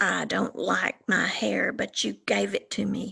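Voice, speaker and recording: Using a put-on character voice, a woman growls and hisses in a raspy tone at a fairly slow pace. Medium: read story. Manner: sinister, sneering.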